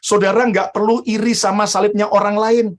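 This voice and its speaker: An animated male pastor delivering a sermon, with a noticeably high voice. He keeps calling on the congregation to say amen and applaud. His delivery is lively and direct. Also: a little fast. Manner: animated preacher, calls for amens.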